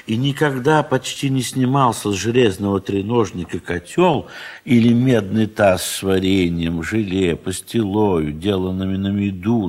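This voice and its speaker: Low-voiced man narrating classic literature. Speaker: narrator of an audio play.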